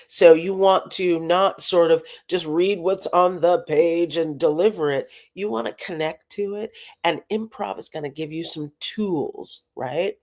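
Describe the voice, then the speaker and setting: A talent manager, a woman, explaining things in a live video-call interview, animated and repeating phrases for emphasis. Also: on the low side, measured pace, hardly any pauses.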